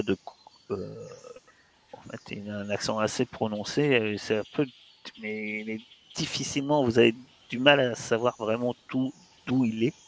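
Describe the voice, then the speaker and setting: A man's voice: on the low side, a bit bright. A man narrating as game master, hesitant and full of fillers. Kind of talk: narrating a tabletop role-playing game.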